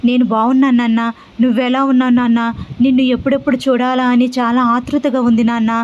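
A woman's voice: on the high side, level tone, quick pace, a little mellow, highs cut off, lightly acted. A woman voicing an affectionate father eager to see his son again. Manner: eager and tender.

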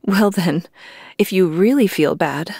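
A woman playing a lovestruck, insecure vampire hunter in an intimate ASMR roleplay, speaking hesitantly and earnestly in a soft, confessional way. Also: on the low side, creaky, dry recording, clean studio sound. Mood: gentle. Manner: hesitant, pleading, soft confessional delivery with pauses. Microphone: close microphone, dry recording.

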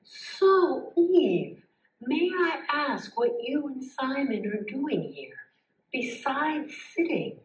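A calm, inquisitive green snake, voiced by a woman, speaks slowly and thoughtfully in a live puppet show. The voice is a little high and sings up and down. It sounds roomy, as if picked up from across a stage. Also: far from the mic, slight background noise, exaggerated voice. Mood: musing. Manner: slow, thoughtful, politely questioning.

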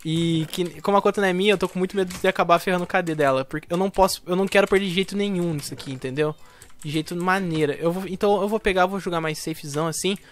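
A young Brazilian man giving casual, slangy commentary over his own gameplay, excitable at first and quieter once he is playing. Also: high-pitched, racing. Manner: slangy, excitable intro then quieter focused play talk. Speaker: gaming YouTuber.

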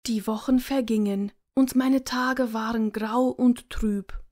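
Woman narrator for a first-person story read; slightly high, mellow voice, very unhurried delivery. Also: fairly even intonation.

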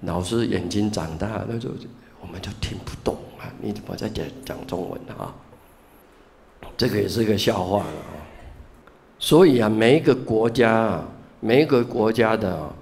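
Gravelly monk lecturing. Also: male voice, on the low side, a little mellow. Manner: storytelling, drawn-out filler particles. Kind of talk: classroom lecture with anecdotes.

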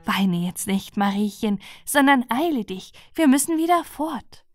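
A kindly Christmas angel, voiced by a woman, with a fairly high voice. The delivery is tender and reassuring, as in a bedtime storybook. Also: expressive, unhurried, no echo, soft background music. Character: gentle, kindly winged Christ Child spirit.

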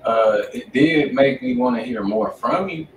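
A man's voice: mid-range voice, unhurried. Distant, echoey American man on a stream. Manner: slangy, blunt. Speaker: music review show co-host. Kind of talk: casual livestream commentary. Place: indoor home studio. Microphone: distant from the speaker. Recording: echoey, distant, noisy studio room.

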